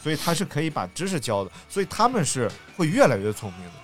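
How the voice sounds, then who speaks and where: A man's voice: on the high side, very animated, quick pace, soft background music. A man in a casual chat, explaining animal facts with a joking manner.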